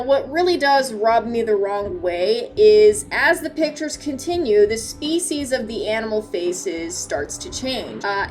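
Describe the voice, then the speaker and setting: A woman with a fairly high voice talks through a video essay in a casual, joking way. She is playful and sarcastic, slipping into slang and mock-dramatic asides, with background music underneath. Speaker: host of an analog horror analysis video.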